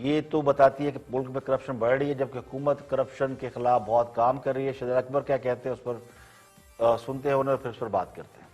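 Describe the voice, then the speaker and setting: A man's voice: mid-range voice, little pitch movement, fast talker, a little mellow, soft background music. A man hosting a TV talk show, giving sardonic opinion commentary full of proverbs and lists.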